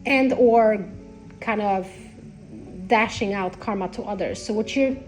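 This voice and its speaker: A woman with a congested, nasal voice giving unscripted spiritual talk to followers in a halting, rambling way. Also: medium pitch, over music, rough recording. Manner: halting, rambling, repeats phrases. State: congested with a cold. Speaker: spiritual content creator.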